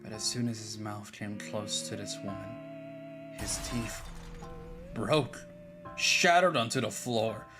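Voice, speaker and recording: A man slowly reading a dark horror fan story aloud, measured and steady. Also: on the low side. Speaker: streamer and artist. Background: guitar music.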